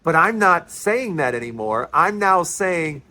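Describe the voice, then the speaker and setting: A man's voice: a little high, very animated, a little slow, pushed and bright. A man in his early sixties giving an emphatic, passionate monologue, often repeating and restarting words. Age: 60s. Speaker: commentary host.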